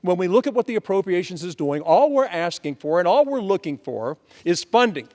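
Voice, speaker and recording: A man with a notably high voice delivers an earnest floor speech at a podium microphone in a large legislative chamber. He presses his point insistently and slips into quoted back-and-forth with constituents. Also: very animated, brisk, darkish tone. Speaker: congressman.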